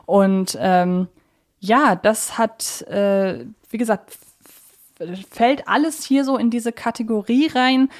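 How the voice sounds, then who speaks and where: A woman's voice: on the high side, slow, darkish tone. A woman co-hosting a casual podcast, explaining her analysis in wordy, carefully phrased sentences. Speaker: podcast host. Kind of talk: casual analytical podcast conversation about a children's audio drama series.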